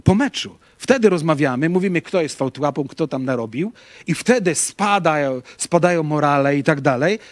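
Man, pastor, middle-aged, lecturing with anecdotes, higher voice, dry close sound. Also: moderate pace, dry recording. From Poland. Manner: animated storytelling, acts out quoted shouts.

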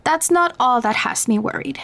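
Caring, higher-voiced motherly Latina confidante. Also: lively intonation, moderate pace, vocal fry, full character voice. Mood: gently worried. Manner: gentle, code-switches into Spanish. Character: caring, probing motherly Latina confidante, teasing but gentle. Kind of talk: naturalistic fiction podcast acting.

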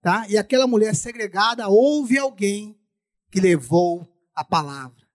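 Brazilian guy preaching a sermon w a face mask on, really high voice, repeats stuff for emphasis. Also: lively intonation, a little slow. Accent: Brazilian Portuguese. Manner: muffled from speaking through a face mask; repeats phrases for emphasis, acts out dialogue.

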